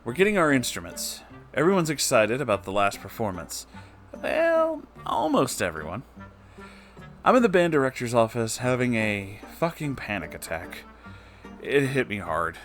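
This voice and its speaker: A man with a mid-range voice reads stories and chats as an online host. His delivery is expressive, informal and peppered with profanity. Quiet guitar music sits behind him. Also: medium pitch, moderate pace. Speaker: online story reader and host. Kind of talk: expressive story reading and casual commentary.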